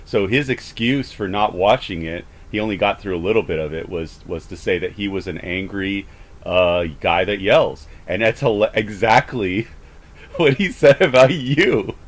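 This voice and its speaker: Low-voiced man, halting and rambling. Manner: hesitant, rambling with stammers and false starts. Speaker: host of a call debrief. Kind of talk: casual chat.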